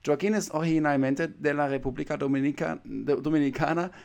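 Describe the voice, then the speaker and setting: A man's voice: a little high, fairly quick, vocal fry, darkish tone, muffled recording. A man hosting an interview, asking questions hesitantly with many filler sounds. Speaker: interview host.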